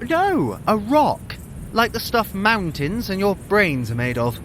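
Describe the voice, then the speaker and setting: An actor playing a cocky, smooth-talking trickster god in an audio drama, with a sardonic, wordy and wheedling manner. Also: male voice, high-pitched, sing-song, takes it slowly, a bit bright, a little hiss or hum, full character voice. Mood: teasing.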